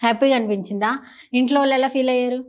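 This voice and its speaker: A woman's voice: high voice, fairly even intonation, very fast, dull audio. A woman interviewing children in a casual, teasing and chatty way, holding a handheld mic. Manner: playful, teasing, chatty with kids.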